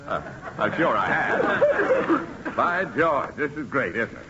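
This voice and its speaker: An actor playing a hearty, back-slapping old school friend in a 1940s radio comedy, effusive and overly hearty. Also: male voice, a little high, wildly swooping pitch, slow, heavy background noise, full character voice. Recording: muffled old radio broadcast.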